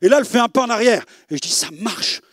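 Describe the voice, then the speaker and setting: A man's voice: very high voice, animated, rapid-fire, dry recording, studio quality. A middle-aged man preaching in a church, telling his testimony as a dramatic story and acting out the dialogue. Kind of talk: sermon testimony.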